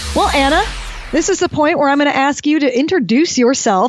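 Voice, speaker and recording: Her intonation lively and her pitch high, a woman talks as music plays behind her. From California. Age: 40s. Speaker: interviewer, athlete. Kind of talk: interview.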